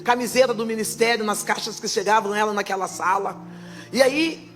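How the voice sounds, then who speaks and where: A woman pastor giving her testimony in church, her fervent preaching swelling into loud proclaiming. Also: medium pitch, moderate pace, faint music behind.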